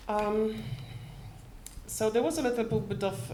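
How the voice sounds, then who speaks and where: Recorded with noticeable background noise and audible room echo, a woman talks with a Polish accent. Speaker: film director and producer. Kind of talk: interview Q&A. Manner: hesitant, many fillers.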